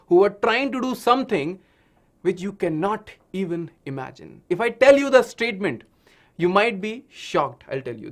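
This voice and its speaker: A male science teacher with an Indian accent, a native Hindi speaker, gives a lesson to children. His voice sits high and swings widely in pitch. He builds things up like a dramatic story and often checks in with short questions. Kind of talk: animated online lesson for children.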